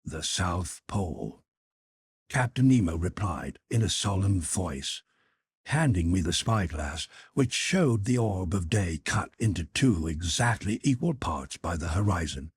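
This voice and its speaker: Low, husky male audiobook narrator. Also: lively intonation, a little slow, no room sound, studio quality. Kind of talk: scripted literary narration of a classic adventure novel.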